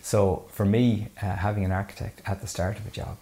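A man's voice: on the low side, flat delivery, a little fast, mellow, slight background noise. A man with a west of Ireland accent explains things conversationally as an interview guest, often hedging and rephrasing as he goes. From County Mayo, west of Ireland.

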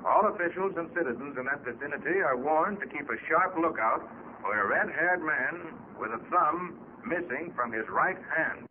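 An actor playing a commanding master detective, making formal, deliberate announcements in a 1940s radio drama. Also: male voice, on the high side, natural voice. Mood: grave, urgent. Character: commanding male master detective broadcasting a manhunt appeal. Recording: narrow, lightly noisy old radio recording.

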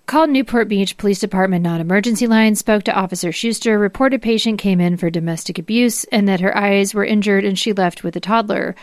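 A woman's voice: mid-range voice, brisk, few pauses, no room sound, clean studio sound. A woman co-hosting a podcast, reading documents aloud and explaining them. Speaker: podcast co-host.

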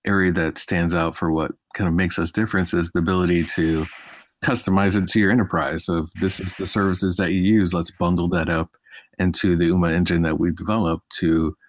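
A man with an East Coast American accent, explaining his company's product in a business interview in a polished pitch style. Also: level tone, brisk, no room sound.

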